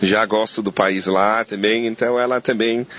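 Halting New chef speaking Portuguese. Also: male voice, on the low side, steady tone, a bit bright, dull audio. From New Zealand. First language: English. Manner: halting, searching for words in Portuguese. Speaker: chef guest. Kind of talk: casual interview.

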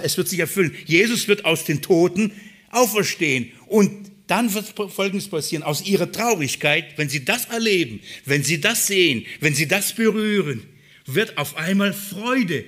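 A man preaching a sermon, reading scripture and explaining it, moving between hushed, quiet passages and emphatic, raised ones. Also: fairly high pitch, lively intonation, measured pace.

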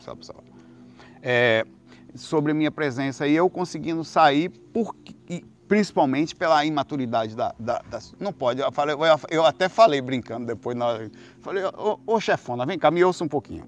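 Animated Brazilian man telling a story. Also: fairly high pitch. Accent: Brazilian Portuguese. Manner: swears freely, rambling with restarts; animated, swinging between hushed and loud. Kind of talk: casual storytelling monologue.

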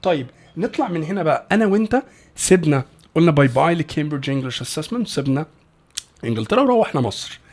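A man with an Egyptian Arabic accent explains things in a rush of quick speech. He talks in an animated way, keeps breaking off and repeating words, and his voice sits on the higher side. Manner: animated, fast, many restarts and repeated words. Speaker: English pronunciation teacher, guest. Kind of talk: casual podcast conversation.

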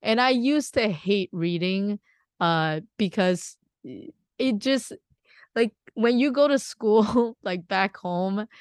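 A woman's voice: mid-range voice, slow, clean tone, no echo. Chatty woman from Singapore, dry sound. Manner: chatty, laughs often, trails off mid-sentence. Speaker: conversation partner. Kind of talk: casual chat.

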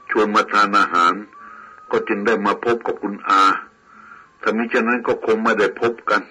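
A man's voice: on the low side, pushed and bright, breathy edge, low-quality recording. A man voicing an ashamed, debt-ridden younger man who speaks humbly and pleads for help. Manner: pleading, deferential.

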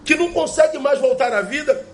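A male pastor, preaching a sermon emphatically with rhetorical questions and slowly repeated key phrases. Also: very high-pitched, slight background noise.

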